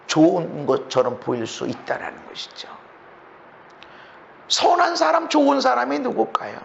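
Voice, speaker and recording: A Korean man preaching from the pulpit of his church, his voice high and gravelly with fry. He keeps asking his congregation rhetorical questions, then drops to quiet asides before pressing the point again. The sound is dull and lo-fi, with the roomy echo of the church hall around him. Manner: animated, shifts between loud emphatic lines and low quiet asides. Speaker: pastor. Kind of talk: sermon. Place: church sanctuary.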